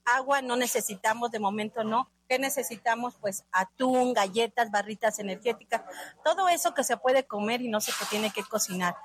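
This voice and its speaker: A woman's voice: fairly high pitch, normal speed. A woman spokesperson talking loosely in an interview, hesitant and full of fillers. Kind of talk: casual interview speech.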